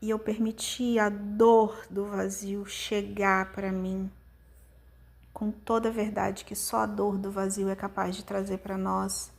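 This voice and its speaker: A Brazilian woman hosts a podcast and tells a personal story in a reflective, intimate way. She leaves many pauses. Her mid-pitched voice has a gravelly, creaky texture. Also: little pitch movement. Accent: Brazilian Portuguese. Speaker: podcast host.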